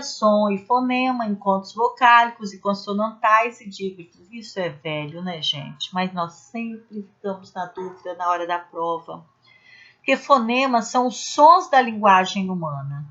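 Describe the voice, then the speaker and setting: A woman's voice: medium pitch, fairly bright tone. A woman teaching an exam-prep grammar lesson, walking through each rule step by step with examples and checking in with her viewers. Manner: addresses viewers as "gente" with frequent "né?" tags; explains rules step by step with spoken examples. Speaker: Portuguese language teacher. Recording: dull lo-fi recording.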